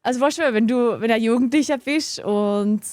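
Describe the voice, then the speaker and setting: A woman's voice: on the high side, brisk, darkish tone, dry recording, studio quality. Giggly streamer woman with a regional dialect. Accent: regional German dialect. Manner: chatty, giggles often between sentences. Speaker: game streamer. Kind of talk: casual live-stream chat while gaming. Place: home office.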